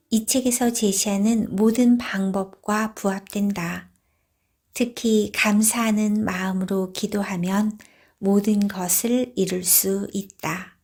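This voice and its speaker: A woman reading a book aloud as narrator in a soft, hushed, gentle voice that turns whispery at moments. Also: medium pitch.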